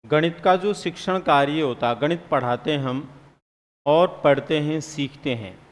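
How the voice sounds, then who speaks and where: A man's voice: on the high side, normal speed, big-room sound. A man teaching psychology in a live classroom lecture, questioning students and answering his own questions, sometimes teasing them.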